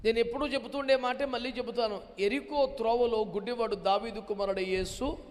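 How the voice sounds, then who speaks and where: A male pastor preaching a sermon, animated and dramatic, acting out quotes in his talk, with a Telugu accent. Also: very high-pitched, brisk, in a large hall.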